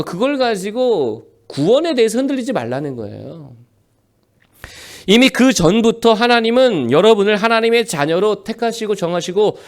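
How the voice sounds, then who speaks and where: A high-pitched man in his forties preaches a sermon as a pastor, emphatic and animated, and throws out rhetorical questions.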